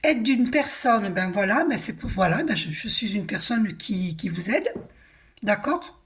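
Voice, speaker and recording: A woman doing a casual spiritual card reading, talking to the viewer in a hesitant, halting way full of fillers and checking in often. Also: medium pitch, lively intonation. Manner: addresses the viewer directly, checking in with "d'accord?". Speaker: tarot card reader.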